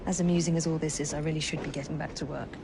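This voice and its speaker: A woman's voice: low-pitched, steady tone, rapid-fire, creaky, background noise. An actress playing a witty, self-assured young woman who speaks in a dry, teasing way. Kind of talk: video game cutscene acting.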